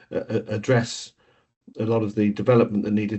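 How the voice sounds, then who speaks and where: A fairly low-pitched male voice, monotone and flat in intonation, at a fairly quick pace. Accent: English. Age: 70s. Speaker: podcast co-host. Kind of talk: casual discussion. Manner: halting, repeats words.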